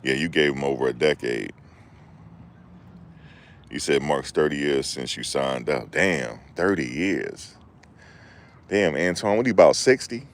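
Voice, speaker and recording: Here a livestream host with a very deep, expressive voice chats casually with his viewers, cracking jokes, wandering off topic, and responding to chat. He speaks a little slowly and pauses often.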